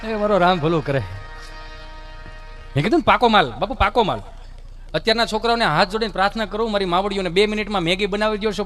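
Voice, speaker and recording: A man telling folk comedy stories on stage, animated and putting on voices. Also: high-pitched. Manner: animated, acts out voices, rustic asides. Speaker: stand-up comedian. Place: live stage show.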